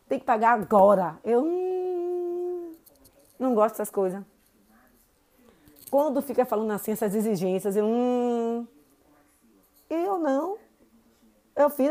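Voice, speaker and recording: A woman's voice: on the high side, a little mellow. Chatty Bahian woman in her forties. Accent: Bahian Portuguese, Salvador. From Brazil. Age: 40s. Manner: chatty, keeps addressing listeners with "gente" and "né". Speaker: podcast host. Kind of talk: casual monologue podcast.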